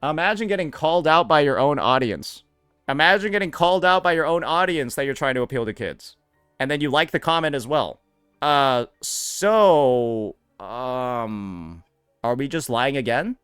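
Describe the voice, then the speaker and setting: A man's voice: medium pitch, lively intonation, moderate pace, a bit bright, clear, resonant tone, dry recording, faint music behind. A man doing sarcastic, profane reaction commentary as a streamer, recorded on a close mic.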